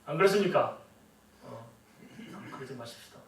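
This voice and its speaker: A man's voice: medium pitch, animated, normal speed, vocal fry, fairly bright tone, slight background noise. A middle-aged man preaching a sermon as a pastor, talking conversationally and often asking the congregation rhetorical questions. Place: church sanctuary. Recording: echoey church hall, voice from a distance.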